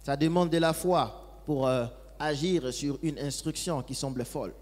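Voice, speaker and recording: Male sermon interpreter, fairly high voice, follows phrase by phrase, echoey hall. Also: unhurried, darkish tone. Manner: follows each phrase closely, with occasional hesitations.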